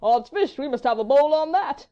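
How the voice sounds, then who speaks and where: A woman voicing a foppish, jovial English baronet who drawls and blusters loudly in an old-fashioned, affected manner. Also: extremely high pitch, animated, normal speed, highs cut off, pitched above the performer's own voice. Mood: boisterous.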